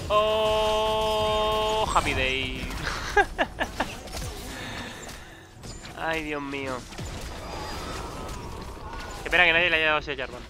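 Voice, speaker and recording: A young man with a Peninsular Spanish accent giving excitable, swearing commentary over his own gameplay. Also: on the high side, extremely slow, long pauses, music in the background. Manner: excitable, swearing, frequent loud outbursts. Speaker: gaming YouTuber.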